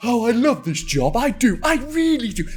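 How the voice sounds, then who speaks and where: A put-on character voice with a fairly high pitch at a moderate pace, over light background noise. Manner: forced, bright, sing-song.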